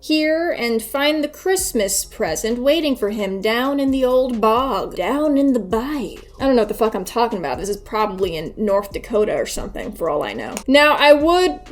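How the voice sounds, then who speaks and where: A woman's voice: a little high, lively intonation, moderate pace, few pauses. A woman giving casual, irreverent commentary as a video host, sarcastic and foul-mouthed.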